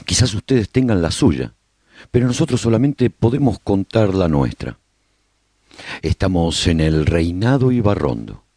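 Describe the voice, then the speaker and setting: A man narrating a radio drama as an earnest, resolute survivor chronicling his colony in a solemn, deliberate way. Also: low voice, very animated, mellow, dry recording, studio quality, full character voice. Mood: solemn, inviting.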